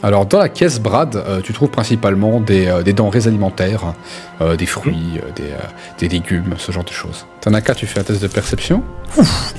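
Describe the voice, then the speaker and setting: Low-voiced man running a tabletop game over music. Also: lively intonation, moderate pace, a little mellow. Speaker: game master. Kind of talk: tabletop game narration, casual. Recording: music laid under the voice. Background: background music.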